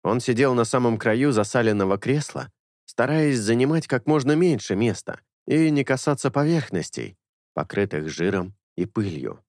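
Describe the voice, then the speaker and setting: Male narrator, expressive intonation, dry close recording, steady storytelling. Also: medium pitch, moderate pace, no echo. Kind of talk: audiobook narration.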